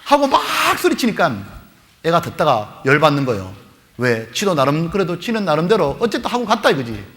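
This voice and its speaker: A man preaching to a youth retreat, telling a story with animated voices for the mother and the kids. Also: a little high, fairly quick. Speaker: pastor. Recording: long hall reverb.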